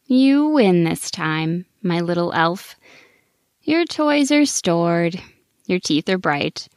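A woman voicing a patient, gently firm fox aunt in a storybook, speaking lower and softer. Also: very animated, slow, clean tone, dry recording, studio quality, exaggerated voice.

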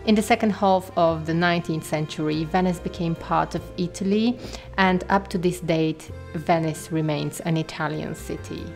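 A woman with a lowish voice talks over her travel footage, full of admiration for what she shows. She speaks in a vlogger's casual voice-over with the odd "um", and soft music plays underneath. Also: fairly even intonation, moderate pace, vocal fry. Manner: enthusiastic and admiring, with frequent "um" fillers. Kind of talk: travel vlog voice-over narration.

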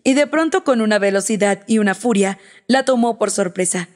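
A woman narrating a romance audiobook in a smooth, even storytelling manner. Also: medium pitch, fairly quick.

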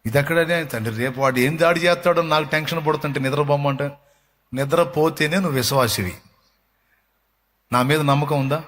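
A man's voice: fairly high pitch, brisk. A male pastor preaching a sermon, fervent and chatty by turns, teasing the congregation. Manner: fervent, rising to loud sung lines, then chatty and teasing.

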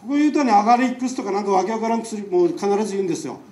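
A man with a Nagasaki accent lectures in a high voice, talking in a chatty way and throwing questions at his listeners. He is picked up from a distance in an echoing hall. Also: expressive, very fast, warm tone, a little hiss or hum. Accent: Nagasaki dialect. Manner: chatty, rhetorical questions to the audience. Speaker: lecturing doctor. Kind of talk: public lecture. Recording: echoey hall, mic far off.

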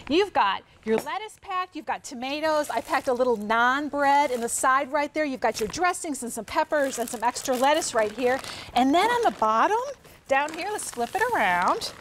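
A middle-aged woman demonstrates products in a home shopping host manner. Her voice is high and her pitching is animated and chatty, with a little studio noise behind. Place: large TV studio kitchen set.

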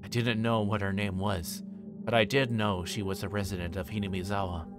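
Low-pitched man reading aloud over music. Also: flat delivery, fairly quick. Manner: reads aloud with stumbles and re-reads. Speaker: livestreamer playing a visual novel. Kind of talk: reading visual novel narration and dialogue aloud. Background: music behind the voice.

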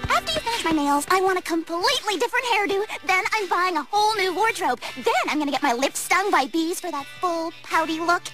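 A woman's voice: extremely high pitch, lively intonation, fairly quick, few pauses. A woman voicing a vain, fashion-obsessed teenage princess in a cartoon. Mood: breezy vanity. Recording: loud music behind.

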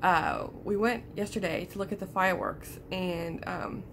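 A young woman with a slightly croaky voice chatting casually to camera from her living room about her weekend reading, rambling with many fillers and restarts. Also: lowish voice, normal speed, noisy background. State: croaky from sinus trouble. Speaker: book vlogger. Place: living room, seated in armchair.

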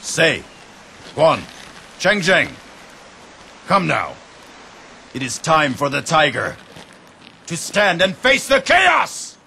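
An actor playing a proud veteran warlord in a game cutscene, speaking in a gravelly, commanding way. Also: male voice, fairly high pitch, huge pitch swings, slow pace, pauses often, bright, forceful tone, slight background noise, heavily acted.

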